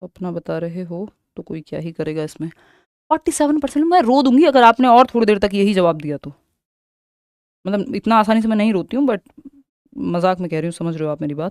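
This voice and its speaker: A woman of medium pitch speaks at a moderate pace, with very wide pitch swings, big swings in loudness, and long, frequent pauses. The sound is dry and close, with no echo. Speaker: online teacher for exam preparation. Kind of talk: live online class. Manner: energetic, effortful delivery.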